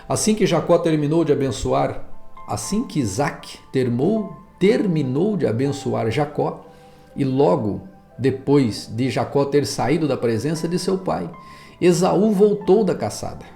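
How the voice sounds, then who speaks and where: A Brazilian pastor reads scripture aloud in a steady, unhurried way, stopping to correct his own slips. His voice is mellow and gravelly, with faint instrumental music under it. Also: on the high side. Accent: Brazilian Portuguese. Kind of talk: Bible reading.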